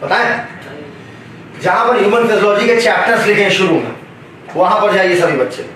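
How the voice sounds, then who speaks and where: A man's voice: sits high, expressive, brisk, a bit bright, a little hiss or hum. A man teaching biology to a class. He calls the students "beta" and keeps asking questions for them to answer. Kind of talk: classroom lecture. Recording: echoey classroom from far off.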